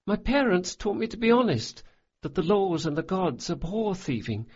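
A man doing a gentle, quiet big boy. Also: high-pitched, lively intonation, breathy edge, muffled recording, pitched above the performer's own voice. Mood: sad. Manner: soft, halting and hesitant.

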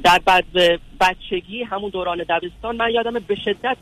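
A man's voice: sits high, steady tone, a bit bright, low-quality recording. Hesitant young man calling in. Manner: hesitant, many fillers. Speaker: caller. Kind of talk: phone-in conversation.

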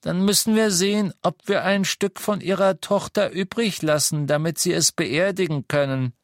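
A man voicing a brutal dark wizard with a rough voice, sneering and bellowing threats. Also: high voice, moderate pace, no echo, studio quality, pitched above the performer's own voice. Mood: menacing.

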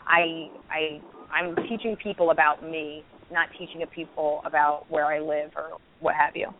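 A woman in her thirties, a stand-up comedian, telling stories candidly with quick restarts in a casual interview. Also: low-pitched, flat delivery. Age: 30s. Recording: tinny phone-like line with faint noise.

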